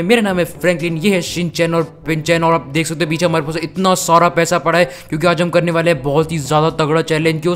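A young man hosting a comic gameplay role-play, scolding his sidekicks in exasperated banter. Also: fairly high pitch. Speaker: gaming YouTuber host.

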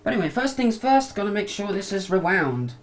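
A woman giving a casual hands-on demonstration with a hesitant, halting delivery, picked up on a camcorder microphone. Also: mid-range voice, very animated. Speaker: hobbyist video maker, demonstrator. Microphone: camcorder microphone near the bench. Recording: noisy amateur camcorder sound.

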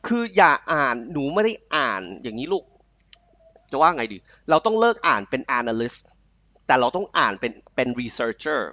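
A young man from Thailand tutoring a student live online. He reads the passage aloud slowly, then explains it in quick, chatty talk. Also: mid-range voice, bright, forceful tone, dry recording, muffled recording. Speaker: IELTS tutor. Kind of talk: live online tutoring, Thai mixed with English. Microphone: online call mic.

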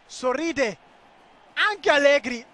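A man giving excitable live football commentary, swinging between clipped calls and drawn-out shouts. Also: extremely high pitch.

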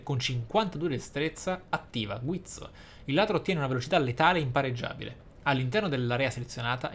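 A man with a medium-pitched voice provides game commentary, reading skill text aloud in elaborate, formal wording. Some faint background noise sits under the recording.

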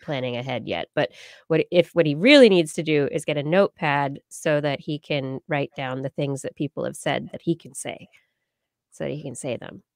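A middle-aged American woman hosts a casual livestream chat from indoors on a video call, playful and rambling. She's a podcast host speaking close into a large boom-arm microphone. Her voice sits low at normal speed, and the recording is dry.

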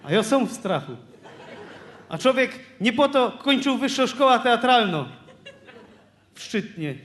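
A man with a Silesian accent telling jokes in a halting stand-up monologue on stage. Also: extremely high pitch, animated, a bit bright. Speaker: stand-up comedian. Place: stage before an audience. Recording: roomy live stage recording.

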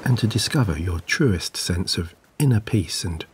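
A man narrating a scripted guided sleep meditation in a soothing, gentle, measured way. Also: deep voice, expressive, a little hiss or hum. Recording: clear background ambience of waves. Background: relaxing ocean wave sounds.

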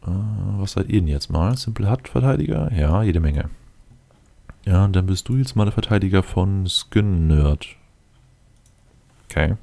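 A man with a very low, gravelly voice talks his way through a game. His tone is dark and mellow, and he mutters casually to himself, thinking aloud and addressing his units directly. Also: animated, measured pace, pauses often. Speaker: let's player commenting on his game.

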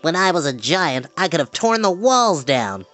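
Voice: medium pitch, sing-song, moderate pace, fairly bright tone, soft background music, pitched above the performer's own voice. A performer voicing a grumbling, self-centred little man, a former giant, in a storybook. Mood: boastful, agitated.

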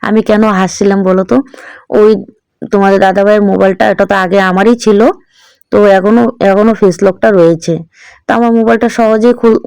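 A woman's voice: medium pitch, a little mellow, clear, resonant tone, no room sound. A middle-aged woman with a Bangal Bengali accent, chatting through a casual home vlog and often checking in with her viewers. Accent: Bangal (East Bengal) Bengali. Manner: chatty, keeps checking in with tag questions. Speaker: vlogger.

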